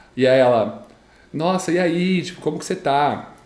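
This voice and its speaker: Lively in intonation, a man speaks with audible room echo. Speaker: podcast host. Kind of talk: casual chat.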